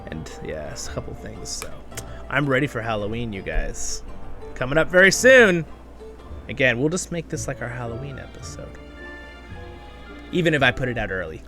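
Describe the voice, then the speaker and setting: A man's voice: medium pitch, very animated, moderate pace, pauses often, pushed and bright. A man hosting a gaming channel, chatting enthusiastically and thinking aloud in casual gameplay commentary. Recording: music playing behind the voice. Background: music.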